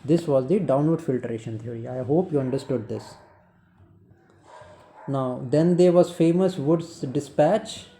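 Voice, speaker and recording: A man's voice: mid-range voice, a little slow, warm tone, a little hiss or hum. A man with an Indian English accent teaching a revision lecture, explaining each term step by step and switching between English and Hindi. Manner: asks viewers to answer in the comments. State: low, tired voice from talking at length. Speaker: exam coach.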